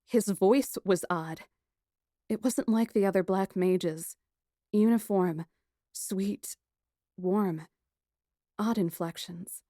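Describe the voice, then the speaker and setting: Female audiobook narrator, mid-range pitch, expressive first-person storytelling, dramatic reading, dry recording. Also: slow, long pauses, no room sound.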